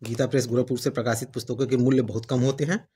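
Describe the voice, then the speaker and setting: A man's voice: medium pitch, steady tone, fast, warm tone, slight background noise. A man hosting his own channel, explaining a devotional book in a casual, conversational way and reading passages aloud. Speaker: channel host reviewing books. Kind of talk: casual book review talk.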